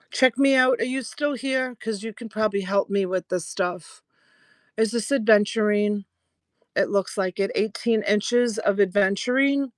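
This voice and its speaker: A woman's voice: fairly high pitch, no echo. Woman in her 60s doing a live jewelry sale, chatty and giggly, dry close sound. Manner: chatty, laughs often, warm to viewers by name. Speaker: live-stream jewelry seller. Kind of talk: casual live-selling chat.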